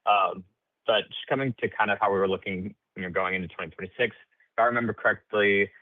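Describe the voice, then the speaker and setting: A man's voice: lowish voice, fast, no room sound. A man asking questions as an analyst in a conversational way over a muffled phone line. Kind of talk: earnings call question, conversational.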